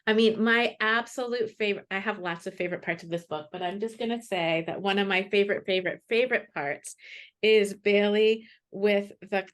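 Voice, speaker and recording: A woman's voice: mid-range voice, steady tone, brisk. A woman speaking as a guest author in a casual video call interview, with an enthusiastic, emphatic way of talking. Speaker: children's book author and guest.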